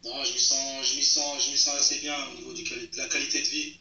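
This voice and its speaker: A man's voice: medium pitch, flat delivery, fast, pushed and bright. Man, thirties, from France, hesitant interview answers, dull lo-fi recording, echoey room. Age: 30s. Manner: hesitant, repeats words as he searches. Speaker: footballer being interviewed. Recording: roomy, distant, dull lo-fi sound.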